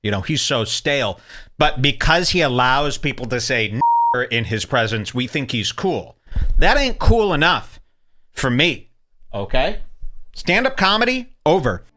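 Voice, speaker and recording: A man's voice: medium pitch, sing-song, a little slow, pushed and bright. A man hosting a radio show, heckling and mocking clips with crude sarcasm. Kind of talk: mocking commentary over clips.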